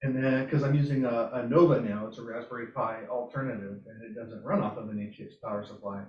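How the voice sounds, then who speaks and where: A man's voice: medium pitch, steady tone, fast. A man presents informally in a roomy space, picked up from away and slightly muffled. He tells his story in an anecdotal way, voicing his own reactions as he goes. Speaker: presenter at a robotics club meetup. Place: meeting room at a hybrid club meetup. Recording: echoey room, distant mic, muffled sound.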